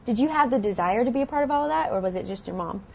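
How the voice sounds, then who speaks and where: Female interviewer, brisk and prompting; slightly high pitch, dull recording. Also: animated, vocal fry, a little mellow, slight background noise. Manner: brisk, prompting, short acknowledgements. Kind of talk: interview questions. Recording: dull lo-fi sound.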